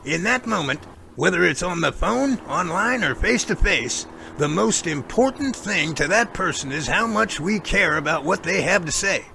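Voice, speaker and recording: Guy acting as a serious bigfoot researcher in an audio drama, gravelly bright voice, explains everything carefully. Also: high voice, lively intonation, slight background noise, heavily acted. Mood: earnest, reassuring. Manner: measured, explanatory, speech-making. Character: earnest, self-assured male Bigfoot investigator, professorial. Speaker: actor in a Sasquatch audio drama. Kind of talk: amateur audio drama dialogue.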